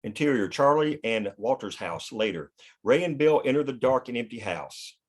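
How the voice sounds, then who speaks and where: Guy with a middle-pitched voice narrating script action at a table read. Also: lively intonation, normal speed. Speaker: stage-direction reader.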